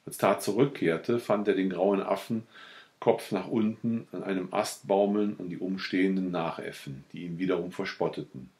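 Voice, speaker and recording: Deep-voiced man reading a literary audiobook. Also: fairly even intonation, darkish tone. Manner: measured storytelling. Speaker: audiobook reader.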